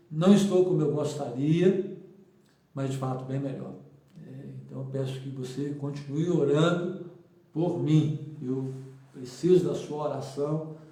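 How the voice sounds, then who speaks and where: Amid noticeable background noise and audible room echo, a man speaks at a fairly slow pace with long, frequent pauses, fairly even intonation and big swings in loudness. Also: fairly high pitch for a man. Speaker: pastor. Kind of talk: sermon closing remarks to online congregation. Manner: sometimes speaks softly.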